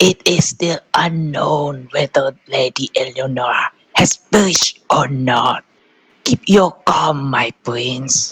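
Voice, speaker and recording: The speaker uses a put-on character voice with ordinary pitch variation. The pace is very slow. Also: man, fairly high pitch for a man. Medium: read story. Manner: calm, deferential.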